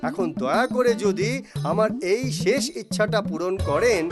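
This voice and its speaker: A man's voice: sits high, normal speed, loud music behind the voice, lightly acted. A man voicing a witty, sly village jester in a Bengali cartoon, polite and coaxing with a mock-innocent air. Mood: sly, courteous.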